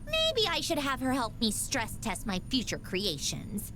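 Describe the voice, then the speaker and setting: A woman's voice: high-pitched, huge pitch swings, a little slow, heavy background noise, heavily acted. An actress playing a proud young woman inventor in a video game, haughty and sardonic yet composed. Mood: exasperated, wry. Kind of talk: video game character voice lines. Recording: background music.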